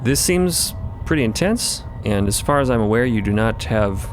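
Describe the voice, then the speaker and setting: A man's voice: medium pitch, expressive, normal speed, faint music behind, lightly acted. A man playing a cautious, formal crew member, precise and tactfully skeptical, in an audio drama. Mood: polite objection.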